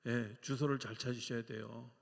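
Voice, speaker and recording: A man's voice: medium pitch, little pitch movement, moderate pace, creaky. A man preaching a Friday night sermon to his congregation as their pastor, asking them questions and answering them himself in a conversational way. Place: church sanctuary. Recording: long hall reverb.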